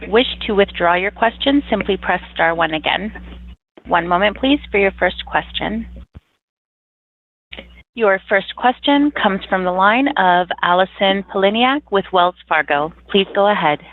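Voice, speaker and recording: On a narrow telephone line, a female conference operator delivers scripted announcements. Her voice is mid-pitched and her manner is formal and procedural. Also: lively intonation, moderate pace. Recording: narrow phone-line sound.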